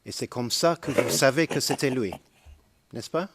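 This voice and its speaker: A man's voice: medium pitch, moderate pace, noisy background. A man cross-examining a witness in a courtroom, asking pointed leading questions.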